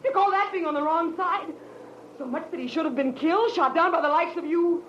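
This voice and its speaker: An actress playing a bitter, half-crazed widow bent on revenge in a 1940s radio crime drama, theatrical, scornful and menacing. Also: female voice, very high-pitched, brisk. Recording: muffled old radio recording, faint hiss.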